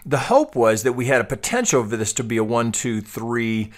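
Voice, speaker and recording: A man giving an off-the-cuff trading chart tutorial, thinking aloud in a halting way and often repeating his words. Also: mid-range voice, big pitch swings. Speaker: trading analyst and host.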